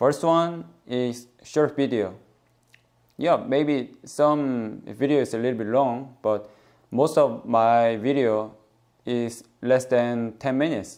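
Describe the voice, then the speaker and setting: A man with a Korean accent speaks very slowly at a medium pitch, with ordinary pitch variation. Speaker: leathercraft youtuber. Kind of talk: casual vlog talk to camera. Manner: halting, non-fluent English.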